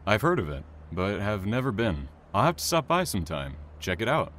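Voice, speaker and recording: A low-voiced man acting as a bookish, reserved train worker in an audio drama. His manner is formal and dry, with clear ambient noise behind him. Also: very animated, fairly quick, fairly bright tone. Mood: polite, reserved.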